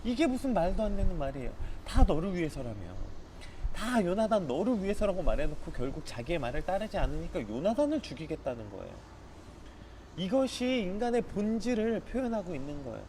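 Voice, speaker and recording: A man's voice: sits high, sing-song, fairly quick, mellow, slight background noise. A man leading a live morning Bible study, reading scripture aloud and explaining it in a conversational teaching manner, often using filler words.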